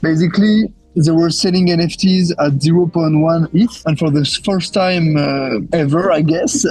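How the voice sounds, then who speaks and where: Moderate pace in a French accent, with ordinary pitch variation, hardly any pauses, very even loudness and music in the background. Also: man. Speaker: startup founder. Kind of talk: project pitch presentation.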